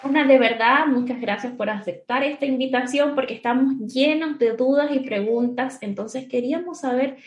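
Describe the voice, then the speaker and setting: High-pitched, excitable woman hosting a podcast. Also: normal speed, few pauses. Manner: excitable, effusive, repeats words. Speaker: podcast host. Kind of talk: casual enthusiastic interview chat.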